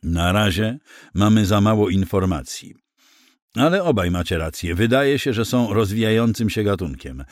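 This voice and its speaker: A man's voice: on the low side, expressive, moderate pace, no echo, clean studio sound, natural voice. A man voicing a weary, gloomy fleet admiral who answers in a heavy, subdued, matter-of-fact way. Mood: grim, explaining.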